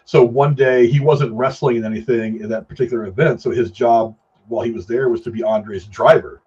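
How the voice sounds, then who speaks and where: Husky man, muffled sound. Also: medium pitch, brisk, darkish tone. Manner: profane, slangy, rambling storyteller. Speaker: podcast co-host. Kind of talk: casual film chat and anecdote-telling.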